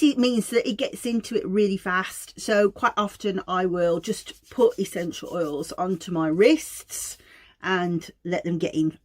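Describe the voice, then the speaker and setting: Her pitch is fairly low and her tone darkish. An aromatherapy educator and host from Wolverhampton, England, she talks to viewers in a Black Country accent, teaching informally with a chatty, self-deprecating style.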